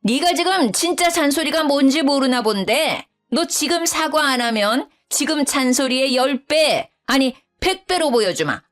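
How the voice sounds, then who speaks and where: Woman putting on a shrill scolding mother-in-law. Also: expressive, normal speed, faint music behind. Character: nagging domineering older mother-in-law.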